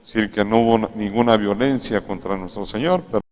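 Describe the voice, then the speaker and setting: A Mexican priest preaching a sermon in an unhurried, conversational way, coming back to key phrases again and again. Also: male voice, on the low side, darkish tone. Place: large cathedral. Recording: echoey cathedral sound.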